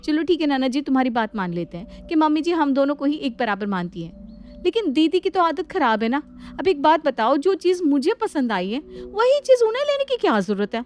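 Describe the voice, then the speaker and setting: Brief: woman playing a sulky young daughter-in-law, high and sharp, complaining. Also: sing-song, fairly quick, a little hiss or hum. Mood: aggrieved.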